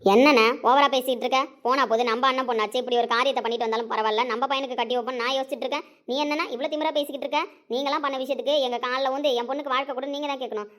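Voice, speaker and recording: A woman's voice: high-pitched, fairly even intonation, very fast, few pauses, fairly bright tone. A woman playing a proud, scornful woman feuding with her brother, speaking sharply and tauntingly in a family drama. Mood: indignant. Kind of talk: amateur family drama acting.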